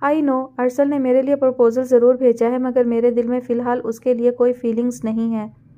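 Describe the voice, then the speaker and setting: A woman's voice: on the high side, level tone, narrow, tinny audio, lightly acted. A woman voicing a defensive, earnest young heroine in a storybook reading.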